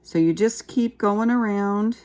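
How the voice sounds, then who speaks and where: A woman giving a chatty, relaxed jewelry-making tutorial, talking through each step as she works with her hands. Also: mid-range voice, unhurried. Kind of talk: casual craft tutorial.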